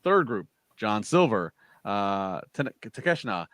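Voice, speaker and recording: A man's voice: on the low side, sing-song, measured pace, a bit bright, no room sound. A man hosting a casual wrestling podcast, rambling through a show recap with many fillers and restarts. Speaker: podcast host.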